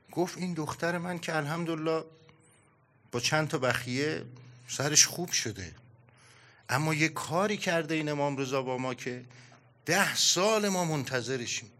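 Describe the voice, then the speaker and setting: Bright-voiced man telling a sermon story. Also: on the high side. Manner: animated storytelling, acting out quoted dialogue. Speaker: preacher.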